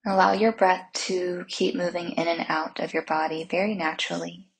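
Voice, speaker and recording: A woman leading a Christian guided meditation in a soft, breathy voice, soothing and unhurried, with gentle instructions and long pauses. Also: on the low side, level tone, rough recording.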